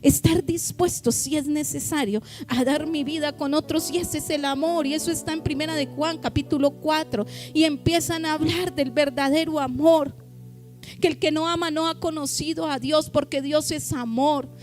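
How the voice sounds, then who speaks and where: A woman pastor delivers an impassioned sermon in a high voice, drawing out her key words for emphasis. Faint music plays quietly behind her. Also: fairly even intonation, normal speed. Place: church.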